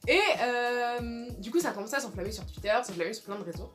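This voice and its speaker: A woman's voice: a little high, fast talker, soft background music. A young woman giving casual, emphatic commentary in a vlog, repeating her points and often saying sorry. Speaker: video creator.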